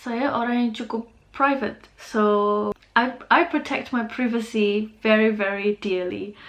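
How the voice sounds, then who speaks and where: A woman with fairly high pitch and ordinary pitch variation speaks at a very slow pace with hardly any pauses. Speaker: psychotherapist and podcast host. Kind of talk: casual podcast monologue, Indonesian-English code-switching. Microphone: laptop with poorly compatible mics, messy audio.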